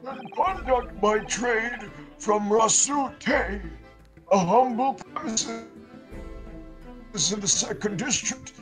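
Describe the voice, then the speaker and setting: A man's voice: very high voice, slow pace, over music, pitched above the performer's own voice, low-quality recording. A man doing a pompous old antique dealer. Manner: long-winded, florid, pompous.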